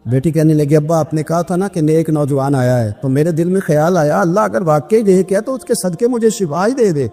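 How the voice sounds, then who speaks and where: A man's voice: on the high side, few pauses. Reverberant male preacher telling stories. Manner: tells stories acting out quoted voices, rising to loud emphatic peaks. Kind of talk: sermon storytelling. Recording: long hall reverb with faint music.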